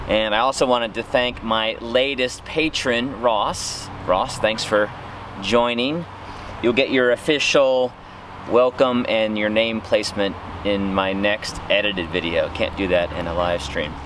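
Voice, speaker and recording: Noticeable background noise runs under this voice. It moves at a fairly slow pace with ordinary pitch variation. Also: man, dry sound with no echo. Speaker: DIY channel host. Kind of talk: casual vlog chat. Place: garden.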